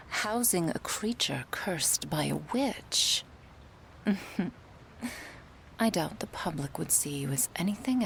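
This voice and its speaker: A woman's voice: lowish voice, slight background noise. A woman whispering a cursed tulip girl in an ASMR roleplay, sardonic and defiant. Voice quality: soft breathy whisper. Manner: sardonic, scornful.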